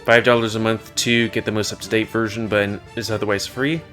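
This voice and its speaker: Low voiced guy rambling thru a game, kinda crude, music going under him. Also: level tone, brisk, fairly bright tone. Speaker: gaming YouTuber. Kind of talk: casual gameplay commentary.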